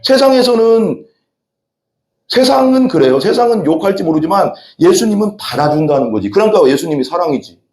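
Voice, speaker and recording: A man's voice: high voice, brisk. A man preaching a sermon as pastor, talking straight to his congregation and often throwing questions at them. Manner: animated, talks directly to the congregation with frequent questions. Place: church sanctuary. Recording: echoey church hall.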